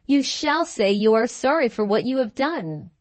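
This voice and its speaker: A woman's voice: a little high, animated, normal speed, dry recording, natural voice. A woman voicing an earnest young wife and mother who speaks in a pleading, reproachful way in an audiobook.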